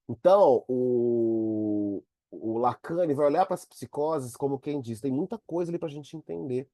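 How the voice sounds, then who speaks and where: A man teaching psychoanalysis in a lively online lecture, speaking straight to his students. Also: fairly high pitch, no echo. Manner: animated, talks to students directly.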